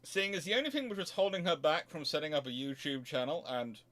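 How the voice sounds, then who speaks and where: A man hosting a casual livestream, chatting in a halting, digressive way with wry, mildly sarcastic asides. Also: on the high side, a bit bright. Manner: halting, digressive, self-interrupting. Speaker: livestream host answering chat. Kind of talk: casual rambling livestream chat.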